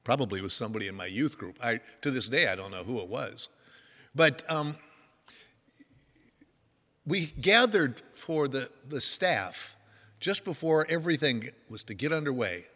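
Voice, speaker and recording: An older man preaches in a bright, forward voice, his pitch rising and falling freely as he tells a folksy story. He pokes fun at himself between points. A long reverb trails his words through a large hall. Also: lively intonation, moderate pace, pauses often. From United States. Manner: folksy storytelling with self-deprecating humor. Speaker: pastor. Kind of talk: sermon.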